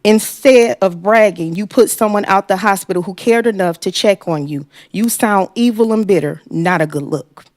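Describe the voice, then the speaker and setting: A woman's voice: mid-range voice, a little mellow, dry recording. A woman making a podium speech as a resident at public comment, apologetic and unpractised at speaking in public. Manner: halting, apologetic, self-described inexperienced public speaker. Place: council meeting room, at a podium.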